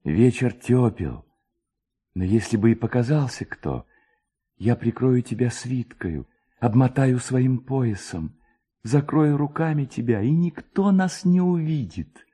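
A man's voice: medium pitch, expressive, measured pace, warm tone, breathy edge, pitched above the performer's own voice. A man voicing an ardent, proud young Cossack lad, pleading with theatrical tenderness in a storybook reading. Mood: tender coaxing.

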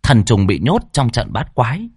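A man narrates a horror story with a husky, slightly breathy voice. His pitch swings widely as he dramatizes each scene, and the sound is dry and close. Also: wildly swooping pitch, moderate pace, a little mellow, no echo.

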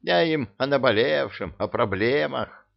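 A man voicing a grumpy, bossy old witch with a shrill, scolding voice, read as a storybook. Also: expressive, unhurried, vocal fry, heavily acted. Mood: indignant. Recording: dull lo-fi recording.

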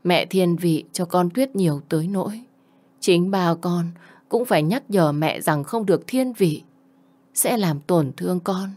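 A woman's voice: on the low side, measured pace, warm tone. A woman voicing a middle-aged mother who speaks in a choked, pleading way, full of remorse and begging her daughter's forgiveness.

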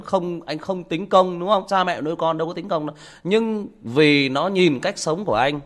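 A man lecturing a commenter during a livestream, sarcastic and scolding, with sudden loud outbursts. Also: a little high. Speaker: livestream story reader addressing a commenter. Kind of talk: livestream rant.

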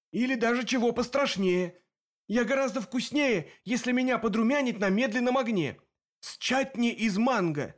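A man voicing a timid young satyr who squeals in a high, flustered voice. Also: fairly bright tone.

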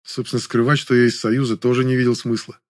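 A man narrating a first-person audiobook in a calm, even reading manner. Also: medium pitch, quick pace, no echo, studio quality.

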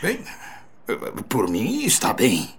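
A man's voice: medium pitch, huge pitch swings, slow pace, husky, exaggerated voice. A man acting as a cautious elderly pharmacist in a Brazilian radio drama, with a Brazilian accent and a hesitant, conspiratorial manner. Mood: feigned nonchalance, cautious. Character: elderly male pharmacist, cautious, feigning nonchalance.

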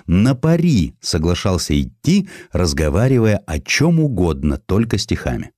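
Male narrator as cultured elderly poet-mentor, low voice, lively intonation, courteous and gently instructive, storybook reading. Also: moderate pace, no echo, studio quality.

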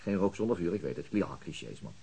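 An actor playing a calm, weary male police detective in a radio drama, with a dry, low-key manner. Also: fast talker, creaky, a little hiss or hum. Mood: wry.

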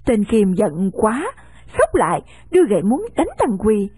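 A woman reading a novel aloud in a steady storytelling manner. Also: medium pitch, measured pace, husky, no room sound. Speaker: narrator.

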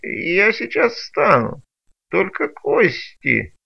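A man's voice: high voice, huge pitch swings, gravelly, slightly rough, pitched above the performer's own voice, full character voice. Man doing a whiny, moaning mutant. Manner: slow, drawn-out, moaning pleas. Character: whiny battered male mutant, cowardly and pleading. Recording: dull lo-fi recording.

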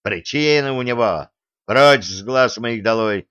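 A man voicing a gruff, angry middle-aged fencing coach who scolds and shouts. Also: medium pitch, unhurried, no room sound, lo-fi sound, close to an everyday voice.

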